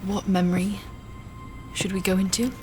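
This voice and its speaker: An actress playing a concerned, careful woman doctor in an audio drama, with a gentle, hesitant manner. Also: mid-range voice, little pitch movement, moderate pace, faint music behind, natural voice. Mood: cautious. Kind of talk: audio fiction acting.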